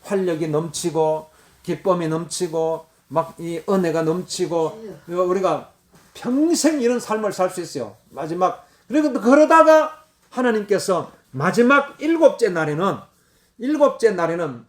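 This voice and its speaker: A middle-aged man preaching with a high, very animated voice that swings from hushed repetitions to sudden loud cries. He drives each point home with emphatic, repeated phrases. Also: a little slow. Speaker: pastor. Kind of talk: sermon.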